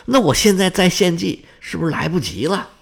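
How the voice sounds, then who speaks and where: A man's voice: high-pitched, very animated, fairly quick, gravelly, husky, heavily acted. A man doing a cocky young hero. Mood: polite. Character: bold, confident young male hero.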